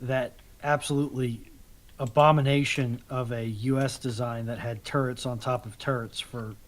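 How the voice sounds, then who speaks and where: A man on a casual panel chat, speaking with dry, deliberate and wordy emphasis. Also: medium pitch, steady tone.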